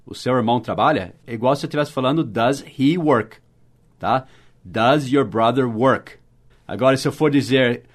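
A man with a Brazilian Portuguese accent, teaching a podcast lesson for learners, saying the example phrases slowly and clearly between quick explanations. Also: mid-range voice. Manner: slow, exaggerated model phrases in English between quick explanations. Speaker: English teacher.

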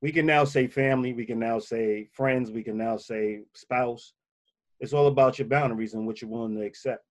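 Emphatic man with a bassy voice. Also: steady tone, normal speed. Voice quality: a little bassy voice. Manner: emphatic, repeats key points. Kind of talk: casual advice talk.

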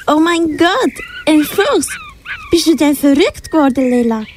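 A cautious young unicorn in a student radio play, played by a teenage girl, wary and doubtful. The voice is high, with a faint hiss behind it. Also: moderate pace, natural voice. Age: teens.

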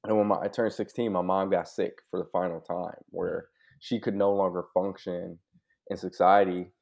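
A man's voice: deep voice, little pitch movement, normal speed, creaky, a little mellow. An American man from California and Hawaii talking casually and candidly about his own life as an interview guest, in an informal, open way with asides seeking agreement. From United States (born in Hawaii, grew up in California). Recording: dull, lo-fi audio.

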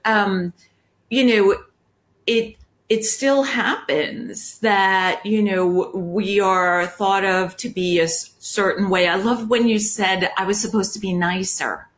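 A woman's voice: mid-range voice, fairly even intonation, slow. Chatty American woman in her fifties. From United States. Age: 50s. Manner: warm chatty, laughs often, talks about herself. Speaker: podcast host. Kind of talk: casual interview chat.

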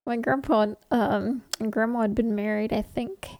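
A woman co-hosting a podcast, making dry quips and quiet asides in casual chat. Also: fairly high pitch, steady tone, normal speed, gravelly, dry recording. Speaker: podcast co-host.

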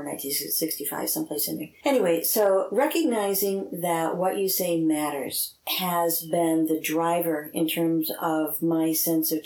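A woman in her seventies with a low voice reflects in an interview. The sound is noticeably roomy around her. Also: a little mellow. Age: 70s. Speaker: interviewee, lay church member.

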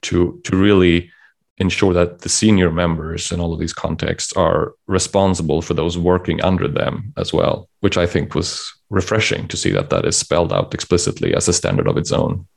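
Deep gravelly-voiced man co-host. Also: expressive. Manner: measured, explanatory, reads out guideline text. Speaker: podcast co-host. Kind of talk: casual panel discussion.

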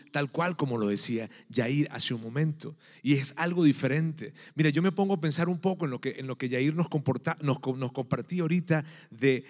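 Mexican pastor guy chatting his sermon, kinda high voice, long echo in the hall. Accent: Mexican Spanish. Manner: conversational, storytelling, many fillers and restarts. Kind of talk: casual sermon to a congregation. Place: church hall with long reverb.

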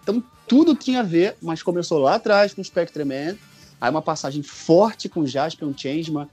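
Higher-voiced Brazilian man telling stories. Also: moderate pace, breathy edge, faint music behind. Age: 40s. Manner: animated, jokey, colloquial storyteller. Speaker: podcast guest. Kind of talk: casual chat, telling personal stories.

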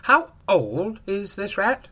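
A man voicing a brisk female witch who runs a pet shop, reading her lines in a clipped, appraising way as part of a storybook passage. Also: high-pitched, very animated, sharp tone, husky, voice pushed up, exaggerated voice. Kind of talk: audiobook-style reading.

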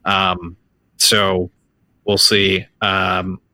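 A man co-hosting a casual comics podcast, slightly croaky from a sore throat, rambling with many restarts. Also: deep voice, little pitch movement, extremely slow, bright, forceful tone, no echo, rough recording. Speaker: podcast co-host. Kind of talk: casual live-streamed comics podcast chat.

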